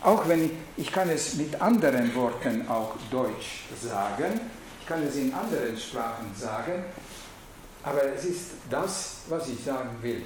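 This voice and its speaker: A man with a Hungarian accent gives a reflective lecture, halting and searching for words, with frequent restarts. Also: medium pitch, lively intonation, slight background noise. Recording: very echoey room.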